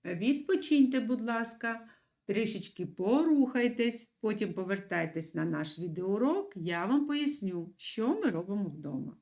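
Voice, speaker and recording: A woman teacher giving a video lesson to young children, stressing words slowly and clearly with a sing-song lilt. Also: medium pitch, expressive, a little mellow. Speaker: primary school teacher.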